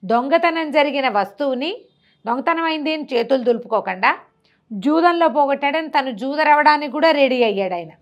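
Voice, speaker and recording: A woman's voice: sits high, lively intonation, a little fast, lo-fi sound. A woman retells a classical tale conversationally, acting out the dialogue and posing rhetorical questions as she goes. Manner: acts out characters' dialogue, asks rhetorical questions. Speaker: storyteller.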